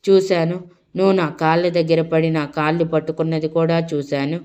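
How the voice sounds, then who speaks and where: A woman's voice: low voice, fairly even intonation, brisk, a little mellow, clear, resonant tone, close to an everyday voice. A woman storyteller voicing a confident young husband who speaks in a smug, playful way.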